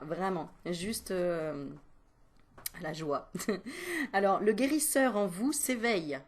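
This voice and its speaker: A woman doing a casual animal card reading as a medium, chatty and playful, breaking into giggles and self-mocking asides while teasing the viewer. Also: medium pitch. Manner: teasing, talks straight to the viewer.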